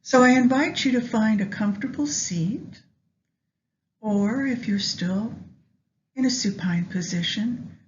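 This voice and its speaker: A woman leading a guided meditation with astrology, speaking gently and in measured short phrases with long pauses. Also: fairly high pitch. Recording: dull lo-fi sound, faint background noise.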